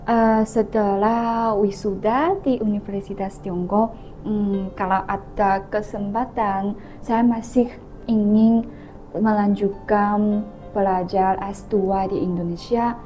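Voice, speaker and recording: A young woman from China with a Chinese accent, a native Mandarin speaker, answering interview questions as a student in halting foreigner's Indonesian. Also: medium pitch, fairly even intonation, dull audio, soft background music. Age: young adult. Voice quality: difficulty rolling the R. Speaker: student guest.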